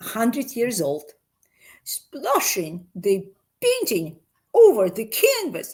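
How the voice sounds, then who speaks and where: A woman speaks very slowly in a fairly high, somewhat breathy voice. Her pitch swings very widely, and she leaves long, frequent pauses. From Ukraine (Odessa), born in Russia. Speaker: artist and painting teacher. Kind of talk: interview.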